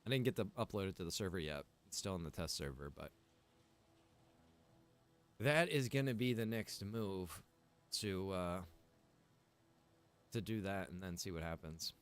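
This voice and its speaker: A man with a somewhat low-pitched voice talks casually as a game streamer. He rambles and thinks aloud, circling around his point in an informal way. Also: lively intonation, unhurried, long pauses. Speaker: streamer and server developer. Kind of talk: casual gaming stream chat.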